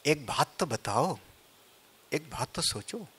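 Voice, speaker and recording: A man's voice: a little high, animated, takes it slowly, fairly bright tone, husky. A man, a Hindu spiritual leader, telling a scripture story as a sermon, with chatty joking asides to his listeners.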